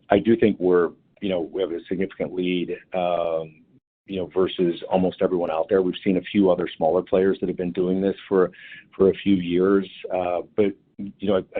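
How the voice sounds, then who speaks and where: A male company executive answering analysts on an earnings call, talking in a halting way with many restarts and fillers. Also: low voice, breathy edge. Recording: phone line audio.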